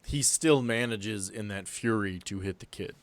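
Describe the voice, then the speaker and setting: A man with a fairly low voice works as game master, narrating a tabletop adventure in a conversational, off-the-cuff style. The sound is dry and close, with little room in it. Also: normal speed, dry recording. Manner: improvised, conversational storytelling.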